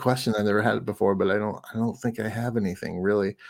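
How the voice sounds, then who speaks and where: A man in a normal speaking voice talks at a fairly quick pace, medium in pitch and fairly even in intonation. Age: 50s. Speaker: author and podcaster, guest. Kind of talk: casual interview chat.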